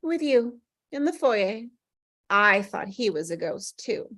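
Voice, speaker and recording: A woman's voice: medium pitch, big pitch swings, slow pace, bright, forceful tone, no room sound, studio quality, full character voice. A woman playing an eerie, coyly innocent woman in white who needles and probes, in a scripted table read. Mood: breathless, innocent.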